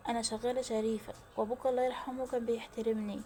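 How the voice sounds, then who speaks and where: A woman's voice: a little high, level tone, rapid-fire, mellow, a little hiss or hum, natural voice. A woman voicing a timid, frightened young nurse with an Egyptian accent, pleading and honest. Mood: fearful. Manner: fearful, pleading.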